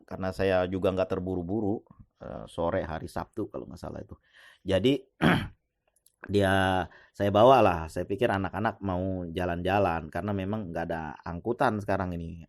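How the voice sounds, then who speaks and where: A man telling a story in a relaxed, conversational way, with pauses and throat-clearing. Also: deep voice, no room sound, clean studio sound. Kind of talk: casual spoken storytelling.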